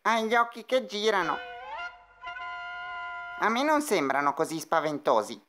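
A woman's voice: mid-range voice, very animated, measured pace, over music. A woman voicing a small, bossy monster prince boy in a cartoon fandub, curt, commanding and nonchalant. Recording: noisy track with clicks.

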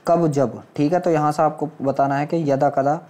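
Male tutor, dark soft-edged tone, walks through test questions didactically, posing and answering them himself. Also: a little high, steady tone, moderate pace. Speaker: exam coaching teacher. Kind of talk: explanatory test-prep lesson, question by question. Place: voice-over on a screen recording.

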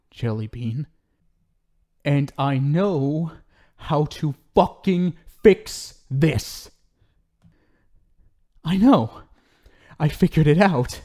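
A man's voice: on the high side, warm tone. A man playing an obsessive, unhinged talk show host in an ASMR roleplay, cooing and theatrical, syrupy and menacing. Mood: frantic, obsessive. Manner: cooing, theatrical, swinging between sweet pet names and pleading. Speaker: audio roleplay performer.

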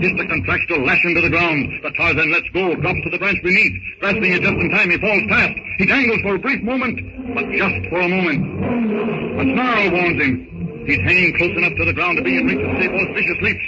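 Through the heavy noise and muffled sound of an early thirties radio recording comes a man narrating an adventure serial. His voice is high-pitched, and his delivery is theatrical and full of suspense. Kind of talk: 1930s radio dramatic narration. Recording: noisy, muffled early 1930s radio broadcast. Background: heavy old-recording noise.

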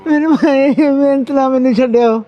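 An older woman living in a shelter who pleads softly to be taken back to her village. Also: high voice, fairly even intonation, fairly quick, highs cut off, a crowd in the background. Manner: pleading, asks to be taken home. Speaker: shelter resident.

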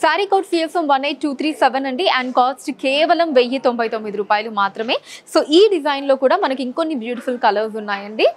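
A woman's voice: sits high, fast. Woman showcasing sarees. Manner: steady, polite listing of colors and prices. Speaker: saree store presenter. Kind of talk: product showcase. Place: large saree showroom, indoors.

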